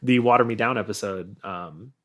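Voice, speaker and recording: A man's voice: on the low side, moderate pace. A man speaking as a podcast guest in a casual music discussion.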